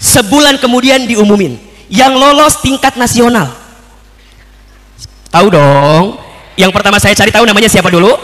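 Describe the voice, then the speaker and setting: High-voiced Sundanese preacher in a hall. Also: male voice, normal speed, long pauses. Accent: Sundanese-accented Indonesian. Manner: animated, acts out dialogue, playful. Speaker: Islamic preacher. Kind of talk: humorous storytelling sermon. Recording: reverberant hall.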